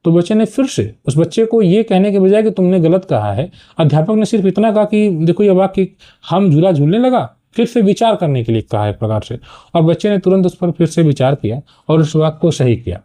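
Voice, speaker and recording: A man's voice: high-pitched, lively intonation, fairly quick, warm tone. A man teaching an exam-prep lesson, explaining step by step and often checking in with "okay". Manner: explanatory, frequent "ठीक है" checks.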